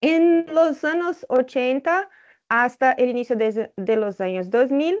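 Against a quiet background, a woman with a Portuguese accent speaks at a very slow pace with lively intonation. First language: Portuguese (speaking Spanish). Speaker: journal editor and epidemiologist; presenter. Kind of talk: lecture. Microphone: video call.

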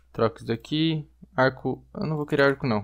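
This man's voice sits fairly high in pitch and keeps a moderate pace. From Brazil. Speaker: gaming youtuber. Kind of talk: angry rant while gaming, frustrated over a broken mouse. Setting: home recording, gameplay commentary. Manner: exasperated, shouting, repeating 'mano' and 'velho' in disbelief. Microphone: headset.

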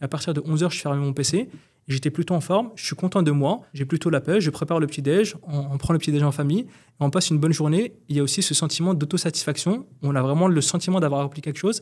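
A man speaks at a very fast pace with a fairly high pitch. His pitch varies in an ordinary way, and the background is quiet. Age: 30s. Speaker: Amazon seller, entrepreneur; Amazon seller. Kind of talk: interview. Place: studio. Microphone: studio mic.

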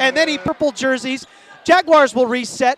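A man's extremely high, raised and projected voice at a moderate pace, dry and close with no echo, over noticeable background noise. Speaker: basketball play-by-play announcer. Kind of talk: live sports commentary. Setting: basketball arena broadcast, highlight video.

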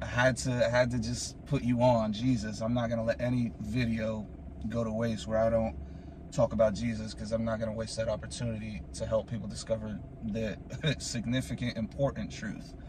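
There's noticeable background noise behind this man. He talks fairly quickly, and his pitch varies in an ordinary way. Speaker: vlogger. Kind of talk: casual vlog chat. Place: car. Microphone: phone near.

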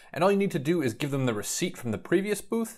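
A man with a Canadian accent and very wide pitch swings, on a very clean recording with a silent background. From Canada. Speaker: travel vlogger. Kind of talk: scripted narration.

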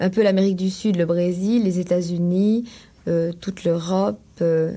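Her voice is fairly low, with a dark, mellow tone, as this woman talks at a fairly slow pace with fairly even intonation. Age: 20s. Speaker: writer. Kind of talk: interview answer. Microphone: old recording.

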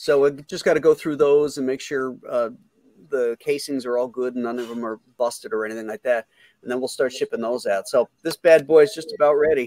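A man with a normal speaking voice, fairly high pitch and ordinary pitch variation at a fairly quick pace, in a dry sound with no echo. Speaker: comic artist. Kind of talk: casual chat. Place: home room.

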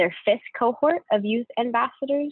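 A woman speaks in an ordinary speaking voice at a moderate pace with ordinary pitch variation. The sound is dry with no echo, and the background is quiet. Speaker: nonprofit staff member. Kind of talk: announcements. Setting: video call. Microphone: video call.

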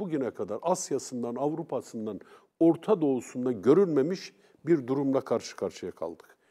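The tone is dark and mellow, with very wide pitch swings. The background is quiet. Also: man. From Turkey. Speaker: politician. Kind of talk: heated debate; TV debate commentary. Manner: animated. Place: studio. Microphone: lapel.

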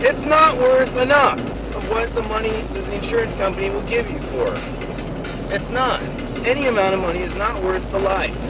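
Moderate pace with long, frequent pauses over loud background noise. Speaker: vlogger driving commentator. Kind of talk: angry rant while driving, profane monologue. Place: car. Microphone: camera far.

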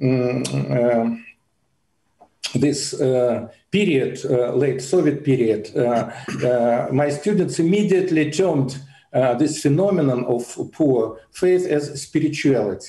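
A man's somewhat breathy, dark, mellow voice in a Russian accent, very slow in pace, with ordinary pitch variation, very even loudness, audible room echo and a quiet background. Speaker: professor, philosopher. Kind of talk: academic discussion. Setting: video call. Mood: calm, reflective. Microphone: video call.

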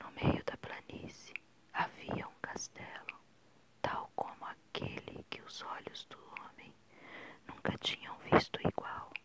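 A whispered voice moves at a very slow pace, broken by long, frequent pauses. Noticeable background noise sits under it. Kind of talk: sleep story. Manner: soft-spoken, whispered.

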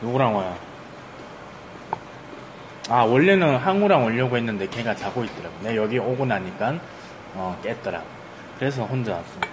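A man's fairly quick, lively-intoned speech over noticeable background noise. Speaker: eating-show streamer. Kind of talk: casual eating-show chat. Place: cafe. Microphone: camera far.

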